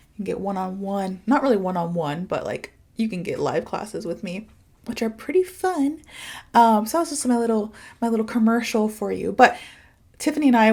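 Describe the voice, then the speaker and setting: A woman's voice: medium pitch, darkish tone. A woman with a mid-range voice talks casually as a podcast host and teacher. Her delivery is informal and chatty, leaning on emphasis and giggly asides as she motivates her listeners. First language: English.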